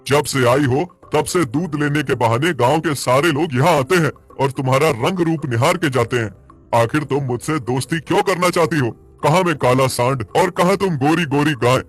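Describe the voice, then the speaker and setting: A man voicing a jealous, grumpy black bull with a soft heart in a cartoon story, speaking in an emphatic, indignant manner. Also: fairly high pitch, moderate pace, husky, soft background music. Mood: angry, scornful. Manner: indignant, scolding, emphatic questions.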